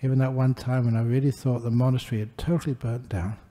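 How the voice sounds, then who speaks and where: An older man gives an unhurried Buddhist talk with gentle humor. His voice sits at an everyday pitch but sounds deeply dark and mellow. His delivery is warm in pace and easygoing. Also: steady tone. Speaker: Buddhist monk giving a dharma talk. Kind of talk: relaxed dharma talk with anecdotes.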